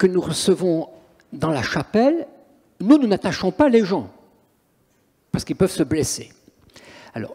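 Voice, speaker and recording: A man's voice: sits high, warm tone. A man, a priest and exorcist, telling stories in an interview in an emphatic, theatrical way. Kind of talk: interview, storytelling. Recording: long reverberant room echo.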